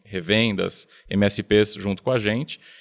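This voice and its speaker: In a very clean recording with a silent background, a man speaks in a normal speaking voice at a fairly low pitch. The sound is dry and close with no echo, and his intonation is fairly even. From Brazil. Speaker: tech company founder and CEO. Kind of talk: podcast interview.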